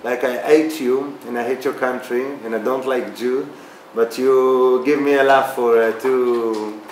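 A man in his thirties with an Israeli accent, answering interview questions casually with many fillers and restarts. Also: medium pitch. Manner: halting, many fillers and restarts, animated hand gestures. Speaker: guest, video remixer. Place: small bright room indoors. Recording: echoey room, faint background hiss.

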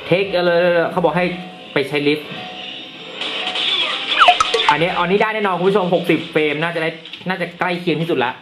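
A man reviewing tech gear, giving casual, excitable gameplay commentary to viewers in an air-conditioned room. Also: sits high, normal speed, long pauses. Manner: excitable, exclaiming often while playing. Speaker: tech reviewer testing phone games. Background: game music.

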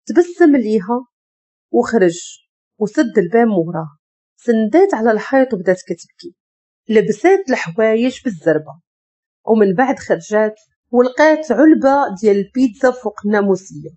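A woman with a Moroccan accent narrating a dramatic story in an expressive, scripted storytelling manner. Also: a little high, brisk.

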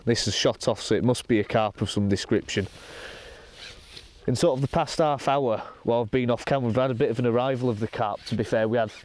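A young man talking casually to camera while fishing from a lake bank outdoors, explaining his session in a relaxed, matter-of-fact way. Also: mid-range voice, fast talker. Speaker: angler presenting a fishing session.

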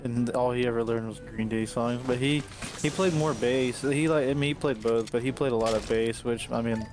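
A man rambles easily over game voice chat, mid-pitched and casual. He laughs a lot as he talks. Music is clearly audible under his voice. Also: fairly even intonation, moderate pace. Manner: easygoing, laughs often, rambling. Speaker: random teammate.

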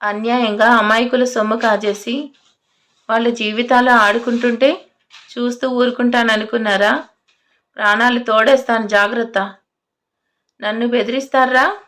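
Lady putting on a fearless angry cop, yelling threats, storybook drama. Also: on the high side, steady tone, moderate pace, pauses often, natural voice. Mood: furious. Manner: shouting, threatening. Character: furious, fearless male police officer.

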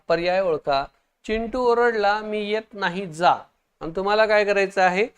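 A man teaching an online exam-prep lesson, quizzing viewers, urging quick answers and praising their comments. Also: high-pitched, clean tone.

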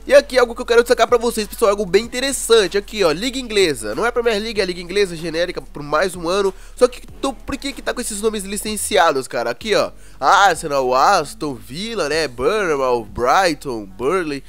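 A young Brazilian man with a cold, his voice congested and hoarse, chatting casually through gaming news and constantly checking in with viewers. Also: high-pitched, lively intonation, fairly quick, few pauses, fairly bright tone, soft background music. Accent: Brazilian Portuguese. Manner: chatty, keeps asking the viewers "né, cara?". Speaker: gaming YouTuber.

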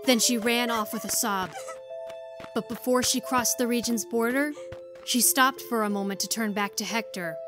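A woman's voice: on the high side, normal speed, music in the background. A woman reading scripted story narration as the narrator of an audio drama.

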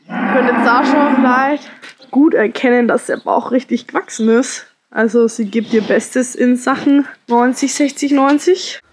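A woman's voice: sits high, steady tone, a little slow. A woman, explaining casually in a handheld farm video diary. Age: 20s. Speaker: farmer, vlog host. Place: farmyard and cattle barn. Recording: noisy handheld farm vlog.

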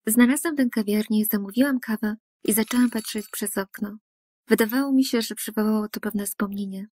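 A woman reading a first-person story as a scripted voice-over, earnest and hushing at tense moments. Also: medium pitch, a little fast. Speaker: narrator.

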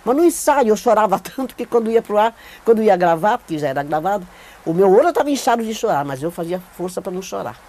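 Older Brazilian woman, mellow storytelling voice. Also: mid-range voice, fast. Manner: animated storytelling, emphatic repetitions. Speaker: veteran actress giving a testimony. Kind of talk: recorded oral-history interview. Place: indoor studio against a plain backdrop. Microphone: clip-on lapel mic.

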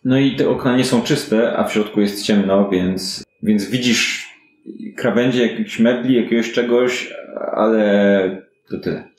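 A man with a fairly low voice narrates unhurriedly, improvising descriptions and hedging as game master of a fantasy detective tabletop game. Faint music plays behind him and the room echoes.

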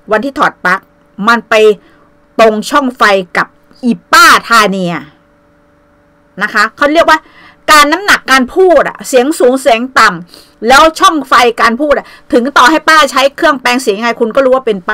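A woman in her fifties rants to her viewers in a casual vlog. Her manner is blunt, coarse and scolding. Her voice sits a little high, with a sharp, bright edge and a close, dry sound. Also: no room sound. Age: 50s. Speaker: vlogger. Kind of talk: casual livestream rant.

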